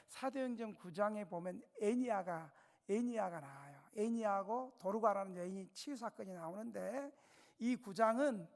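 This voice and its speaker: A male pastor preaching a revival sermon, telling stories dramatically, dropping to a hush and then rising loud, and putting questions straight to the congregation. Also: high voice. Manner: dramatic storytelling, swinging between hushed and loud. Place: church sanctuary. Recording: long church reverb.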